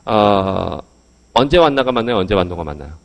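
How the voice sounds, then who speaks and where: A man's voice: fairly low pitch, very animated, fairly quick, creaky. A man giving a lecture to a live audience, speaking into a handheld microphone in a hall and putting questions to the crowd. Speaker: English education lecturer.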